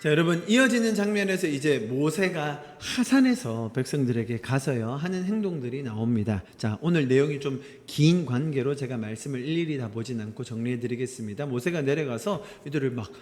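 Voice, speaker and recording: A man teaching a Bible study as a pastor, animated and playful, acting out the scripture lines. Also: mid-range voice, fairly quick, few pauses, big-room sound, soft background music. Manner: animated, playful, acts out quotes.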